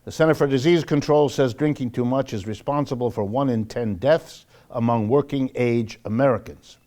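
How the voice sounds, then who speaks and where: A man lecturing to the public on economics, speaking emphatically and deliberately and repeating phrases for stress. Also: mid-range voice, warm tone.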